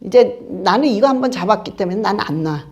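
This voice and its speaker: A woman pastor preaching a sermon in an animated, colloquial way, acting out voices as she goes. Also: medium pitch, brisk. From Korea. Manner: animated, colloquial, acts out voices of spirits and doubters.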